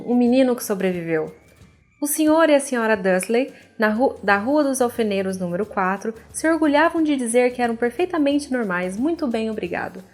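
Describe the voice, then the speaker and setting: High-voiced Brazilian woman over music. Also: darkish tone. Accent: Brazilian Portuguese with a pulled R. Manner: informal, candid, addresses viewer directly. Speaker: host of a writing advice series, author. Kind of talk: didactic video talk with read-aloud book excerpts. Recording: music behind the voice.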